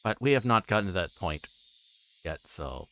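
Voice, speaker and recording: A man hosting a livestream, chatting casually in a halting, rambling way and often repeating words as he plays a game. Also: deep voice, expressive, pushed and bright, a little hiss or hum, low-quality recording. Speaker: livestream host. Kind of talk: casual livestream chat while playing a visual novel.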